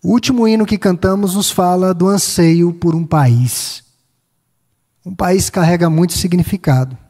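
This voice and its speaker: High-voiced Brazilian pastor preaching in a reverberant hall. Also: male voice, dark tone, breathy edge. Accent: Brazilian Portuguese, Minas Gerais. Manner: measured preaching, lists in slow cadence, rising emphasis on key phrases. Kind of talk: sermon.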